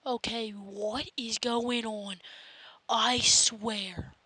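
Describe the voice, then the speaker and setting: Woman, casual reaction host, short muttered asides, higher pitch, dry close sound. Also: fairly even intonation, extremely slow, pushed and bright, slightly rough, no room sound.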